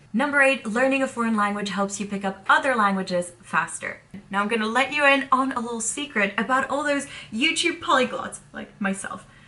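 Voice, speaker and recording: At a fairly quick pace, a high-pitched woman speaks with ordinary pitch variation over noticeable background noise. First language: Czech. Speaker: language-learning YouTuber. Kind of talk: scripted educational vlog.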